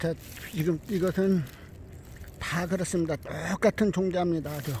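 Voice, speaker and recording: Using fairly even intonation at a moderate pace, a man speaks in a high pitch with a dark, mellow tone. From Chungcheong, South Korea. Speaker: orchid hunter vlogger. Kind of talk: outdoor vlog narration.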